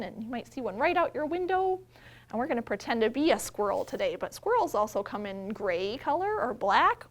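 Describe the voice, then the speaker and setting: A woman hosting storytime as a children's librarian, talking simply to young children with questions, invitations and drawn-out emphasis when reading. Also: high-pitched. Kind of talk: children's storytime read-aloud with talk and action rhymes.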